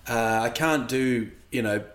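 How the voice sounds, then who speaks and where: A man hosting a podcast, a stand-up comedian, asking his guest questions in a relaxed, chatty way. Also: medium pitch, measured pace. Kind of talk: casual podcast interview.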